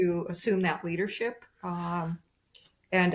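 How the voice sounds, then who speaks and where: Somewhat breathy and fairly low in pitch, a woman speaks with monotone, flat intonation. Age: 70s. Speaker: school counseling association director. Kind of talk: podcast interview.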